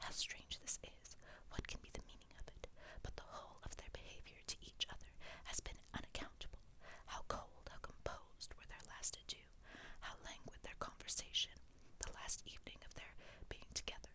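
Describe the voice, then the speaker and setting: A woman whispering at a fairly quick pace, broken by long, frequent pauses. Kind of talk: whispered audiobook-style reading of a classic novel. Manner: whispered, soft-spoken.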